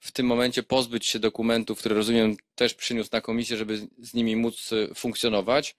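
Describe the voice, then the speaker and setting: A man chairing a formal parliamentary hearing, speaking in a mid-pitched voice at a table microphone. His delivery is measured and admonishing, broken by frequent hesitations. The sound is close and dry. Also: little pitch movement, dry recording. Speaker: committee chairman.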